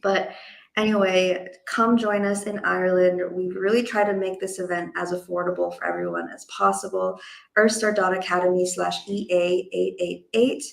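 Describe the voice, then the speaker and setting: Female host, effusive and informal, mid pitch with plenty of vocal fry, roomy echo. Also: normal speed. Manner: effusive, uses casual filler words like "like". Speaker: host and event organizer. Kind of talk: casual enthusiastic online interview.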